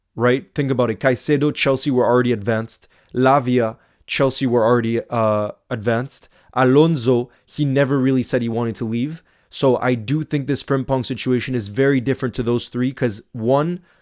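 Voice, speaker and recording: A man at a medium pitch and moderate pace, on a very clean recording with a silent background. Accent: American. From France, with years in the US. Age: 20s. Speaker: football fan channel host. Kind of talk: live stream commentary with chat. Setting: live stream. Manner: animated.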